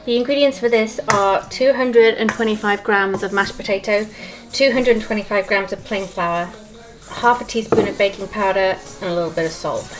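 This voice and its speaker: Female cooking vlog host, chatty with dry wit, medium pitch, casual delivery over music. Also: moderate pace.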